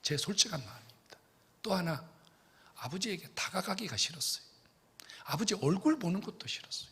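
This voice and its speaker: A middle-aged male pastor tells a story in his sermon, dramatically swinging from hushed whispers to sudden loud bursts, repeating phrases and speaking straight to the congregation. His high, breathy voice is brisk and lively, echoing with long reverb in the church sanctuary.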